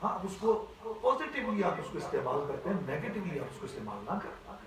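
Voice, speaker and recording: A man's voice: high-pitched, big pitch swings, gravelly, heavy reverb, far from the mic, a crowd in the background, rough recording. A man teaching a class on Quran recitation, explaining step by step and often checking that his students follow. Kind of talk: classroom voice lesson.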